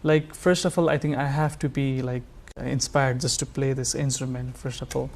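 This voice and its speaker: A man's voice: mid-range voice, flat delivery, moderate pace, darkish tone, a little hiss or hum. A man, a musician guest, talking casually and hesitantly with many fillers and restarts. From Nepal. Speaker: musician guest, sarangi player. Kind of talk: casual interview talk.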